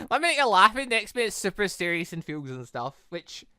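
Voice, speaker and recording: Brisk and smooth, this medium-pitched host offers casual playthrough commentary on a visual novel in clean studio sound with no echo. He gets animated and exclamatory, rambles off on asides, and reads pieces of dialogue aloud.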